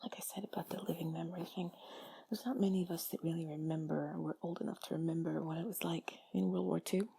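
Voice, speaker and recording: Breathy, whispering woman, hushed and reassuring. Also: fairly low pitch, steady tone, quick pace. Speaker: audio creator speaking to listener. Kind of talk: intimate comforting whispered talk.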